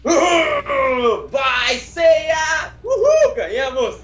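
Man playing a high-voiced plucky anime hero, echoey. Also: fairly quick. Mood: triumphant. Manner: playful, dramatic challenge, shouted attacks. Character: plucky young anime hero challenging a villain alongside his comrade. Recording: dull, echoey video call.

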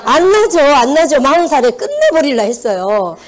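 A woman's voice: high-pitched, normal speed. A woman in her fifties from Busan with a Busan Gyeongsang accent, giving a motivational seminar talk and telling stories while asking the audience questions. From Busan, South Korea. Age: 50s. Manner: lively storytelling with audience questions. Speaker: seminar speaker. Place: seminar hall.

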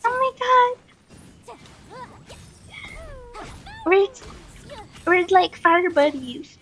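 High-pitched, excitable young-sounding woman gamer. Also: drawn-out words, soft background music. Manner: excitable, exclaiming, giggly, sing-song humming. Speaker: gaming video host. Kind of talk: casual gameplay chat.

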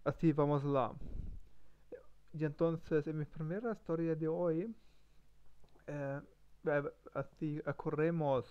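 A man slowly improvising a story as practice, with many fillers, pauses and restarts. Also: fairly high pitch, steady tone, smooth, highs cut off. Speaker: language learner streamer. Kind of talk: halting improvised practice talk.

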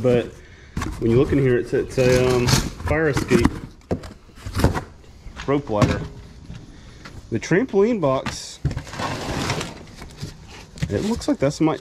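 Easygoing man thinking aloud, noisy background. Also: medium pitch. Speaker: storage auction reseller. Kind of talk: casual unboxing commentary. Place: inside a storage container outdoors. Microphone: body-worn camera. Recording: noisy handheld outdoor recording.

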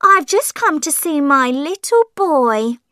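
Woman voicing a sly old mother, taunting, wheedling, high lively voice, slow delivery, dry sound. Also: no echo, heavily acted. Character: old woman with a painted face, sly and mocking. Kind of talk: audiobook character voice.

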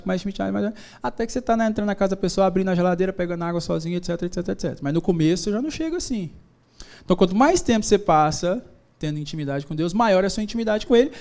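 Man, high voice, mellow tone, joking informal stage talk, slang, faith and business. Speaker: business speaker. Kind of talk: live motivational talk. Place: event stage before an audience.

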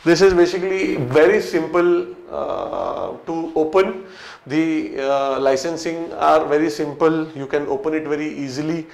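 Indian English male coach, 30s, fairly high voice, chatty with lots of fillers, roomy echo. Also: unhurried, gravelly, darkish tone. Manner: conversational, many fillers and restarts, gesturing while explaining. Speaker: restaurant business coach. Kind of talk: whiteboard talk to camera. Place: small room in front of a whiteboard, indoors. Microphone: fixed camera, medium shot. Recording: echoey small room.

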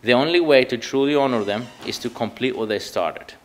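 A man in his thirties from Cyprus, a native Greek speaker with a Cypriot accent, delivering a prepared political speech at a commemoration event in an earnest, measured way that stresses key words. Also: medium pitch. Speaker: party speaker.

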